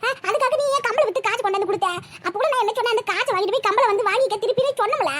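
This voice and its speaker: A woman voicing a chatty village aunty with a shrill high voice. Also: very fast, background noise. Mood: scolding. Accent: Tirunelveli Tamil. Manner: scolding, advising, talkative. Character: chatty middle-aged village aunty, meddling but caring. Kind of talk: cartoon voice acting.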